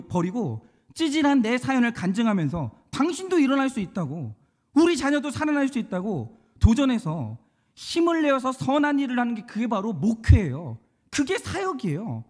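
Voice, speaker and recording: Pastor, male, 30s. High, very lively sermon delivery, shifting from loud exclamations to hushed, slow questions. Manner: animated, swings between loud exclamations and soft slow questions. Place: church sanctuary.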